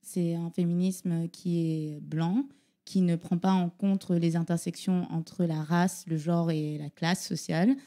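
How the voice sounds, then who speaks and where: Une invitée explique longuement ses idées en hésitant souvent, d'une voix plutôt grave au timbre très sombre et doux. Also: female voice, fairly low pitch, fairly even intonation, a little slow, dark tone. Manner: explanatory, hesitant with many fillers. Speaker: guest, activist collective member. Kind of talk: interview answers.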